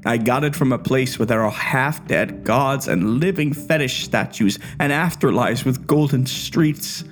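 A man reading a story aloud, voicing an obsessive, unhinged doctor who speaks with quiet menace. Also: mid-range voice, unhurried, faint music behind, lightly acted. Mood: dreamy.

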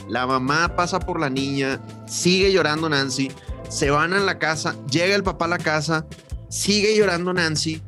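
A man, co-hosting a podcast, telling a story in a lively way and acting out the voices of the people in it. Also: a little high. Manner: animated storyteller, acts out quoted voices. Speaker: podcast co-host, sales trainer.

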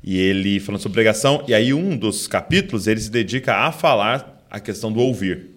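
A man's voice: fairly low pitch, expressive, a little fast. A Brazilian man hosting a podcast, curious and chatty, often saying "cara". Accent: Brazilian Portuguese. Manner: curious, interjecting, says "cara" a lot. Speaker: podcast host. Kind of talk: podcast interview.

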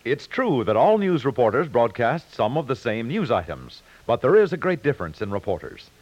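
Animated American radio announcer, male. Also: mid-range voice, normal speed, faint music behind. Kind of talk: 1950s scripted radio announcing. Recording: muffled 1950s radio broadcast.

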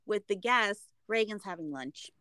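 A woman's voice: mid-range voice, lively intonation, a little slow, pushed and bright, dry recording. A woman co-hosting a podcast, chatting casually and animatedly about a TV show, giggly and prone to acting out quotes. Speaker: podcast co-host. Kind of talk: casual TV recap chat.

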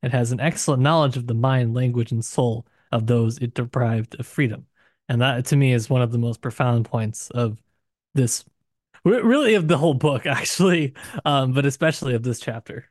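A man's voice: mid-range voice, normal speed, a little mellow, dry recording, clean studio sound. A man co-hosting a podcast book discussion, talking in an earnest, explanatory way. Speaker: podcast co-host.

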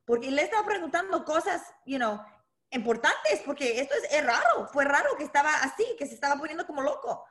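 A woman with a high voice speaks as an interview guest. She coaches boxing and tells her story haltingly, restarting phrases and mixing in English words. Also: sing-song, a bit bright. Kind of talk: conversational interview.

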